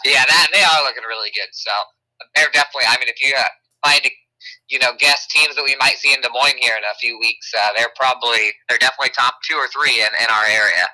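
A hoarse man co-hosting a local sports talk show, talking at length with lots of fillers. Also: medium pitch, fast talker, sharp tone, low-quality recording. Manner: chatty, hedging with fillers. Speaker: sports radio co-host.

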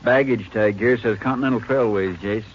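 An actor playing a folksy, plain-spoken American county sheriff in a 1950s radio drama. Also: male voice, on the low side, moderate pace, lightly acted. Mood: observant. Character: folksy, reasoning Texas county sheriff, sidekick. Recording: muffled, noisy old radio recording.

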